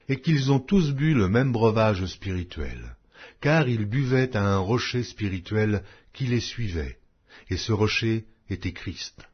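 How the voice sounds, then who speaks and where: A man reading scripture as a solemn scripted narration, measured and declamatory, with emphatic phrasing. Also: on the low side, husky, muffled recording. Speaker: narrator of an audio Bible.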